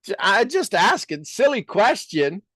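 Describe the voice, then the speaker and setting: A man speaking as a business coach in a motivational talk, asking rhetorical questions and repeating phrases emphatically with deliberate pauses. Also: high voice, very animated, fairly bright tone, dry recording.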